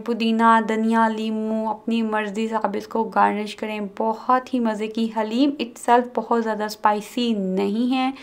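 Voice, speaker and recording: A woman host narrating a cooking video, calmly explaining each step and mixing in English words. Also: a little high. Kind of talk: recipe voice-over narration.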